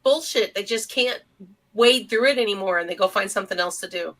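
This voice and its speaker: A woman's voice: medium pitch, fairly quick, a bit bright. A middle-aged woman co-hosting a casual podcast, speaking bluntly and with exasperation. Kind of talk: casual panel chat.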